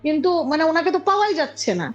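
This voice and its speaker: A woman's voice: very high voice, big pitch swings, fast. A woman telling an eerie story conversationally as a podcast guest, acting out quoted dialogue and checking back with her listener. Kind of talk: conversational storytelling of an eerie real-life incident. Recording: dull lo-fi audio with music behind. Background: music.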